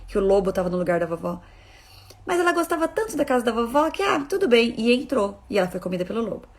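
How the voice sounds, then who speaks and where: A woman parenting educator giving a live talk to viewers, emphatic and repeating her key phrases as she speaks straight to her listeners. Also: medium pitch.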